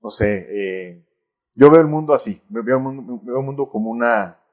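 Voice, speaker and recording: A man's voice: medium pitch, normal speed. A man, a Catholic priest, talking reflectively in a casual interview with many restarts and a habit of tagging "¿no?". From Mexico. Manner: reflective, frequent tag "¿no?" and restarts.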